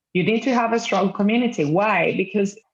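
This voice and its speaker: A somewhat breathy woman with a non-native accent and fairly even intonation. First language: not English. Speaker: former lawyer, book club co-host. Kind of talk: casual discussion. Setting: livestream.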